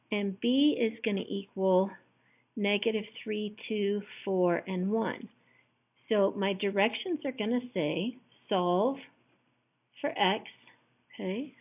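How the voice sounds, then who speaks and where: Hoarse woman teaching math over tinny audio. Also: medium pitch. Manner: patient, explains step by step. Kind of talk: recorded classroom lesson.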